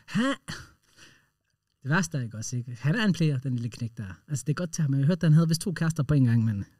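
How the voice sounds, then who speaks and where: A man co-hosting a podcast, telling stories in an excitable, slangy way with English words mixed in. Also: mid-range voice, no echo, clean studio sound, far from the mic. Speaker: podcast co-host. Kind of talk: casual storytelling chat.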